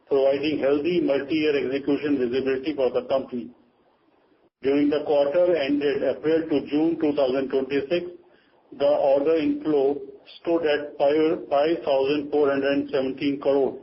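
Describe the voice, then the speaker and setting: An Indian man delivers prepared earnings remarks in a formal, scripted way. His voice sits a little high for a man. The sound is a dull, lo-fi conference call with faint noise. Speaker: company chief giving earnings remarks. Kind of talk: formal prepared corporate statement read aloud.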